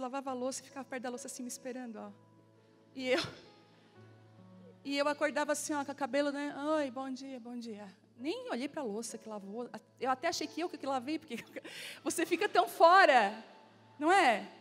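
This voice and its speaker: A woman pastor, preaching in a church with animated storytelling and acted-out dialogue. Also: sits high, brisk, faint music behind. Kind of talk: sermon.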